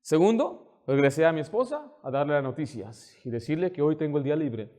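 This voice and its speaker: A man preaching a sermon as pastor in a church, telling personal stories with lively, animated delivery. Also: fairly high pitch, a little fast.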